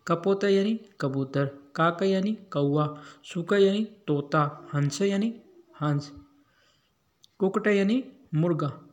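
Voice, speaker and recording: A man running an education channel, teaching a Sanskrit lesson to schoolchildren and giving the Hindi meaning of each word in a steady drill. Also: high voice, unhurried, lo-fi sound.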